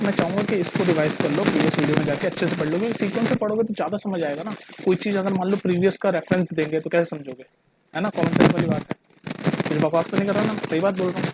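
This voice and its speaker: High-voiced chatty male teacher. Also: very noisy. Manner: chatty, keeps checking the listener understands; mixes Hindi with English terms. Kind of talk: casual classroom explanation.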